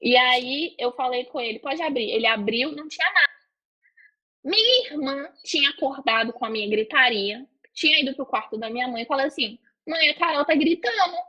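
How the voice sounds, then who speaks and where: Husky high-voiced woman. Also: a little fast, muffled recording. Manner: animated, acts out quotes with gasps and laughs. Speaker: podcast guest, astrologer. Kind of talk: casual storytelling.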